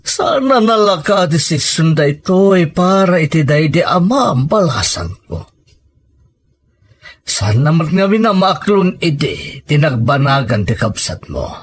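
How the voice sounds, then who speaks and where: A man playing a grave, protective uncle in an audio drama, speaking in a solemn, measured, reassuring way. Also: fairly high pitch, big pitch swings, slightly rough, exaggerated voice. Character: grave, protective uncle guarding a family secret. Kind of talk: emotional audio drama acting. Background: background music.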